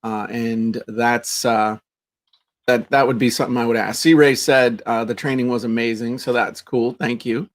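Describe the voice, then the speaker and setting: A man's voice: mid-range voice, fairly even intonation, moderate pace. Blunt man in casual podcast chat. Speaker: podcast co-host.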